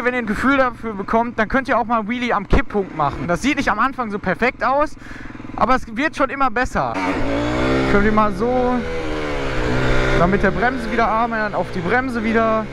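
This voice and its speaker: High-pitched young man talking inside a helmet. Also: fairly quick. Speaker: motovlogger giving a riding tutorial. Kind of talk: casual instructional commentary while riding. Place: outdoors inside a helmet, riding a motorcycle. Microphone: mic inside motorcycle helmet. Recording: helmet mic with clear engine and road noise.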